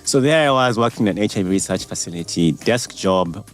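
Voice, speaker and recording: A Ugandan man in his forties, a doctor, telling his life story in a relaxed interview with easy laughs. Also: deep voice, fairly quick, soft background music. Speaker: doctor and guest. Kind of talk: casual interview chat.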